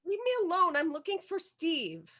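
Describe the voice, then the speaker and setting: A woman's voice: extremely high pitch, sing-song, moderate pace, bright, forceful tone, full character voice. A woman playing a blunt, insistent and awkward young outcast girl in a script table read. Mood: blunt, impatient. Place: remote group reading over a call.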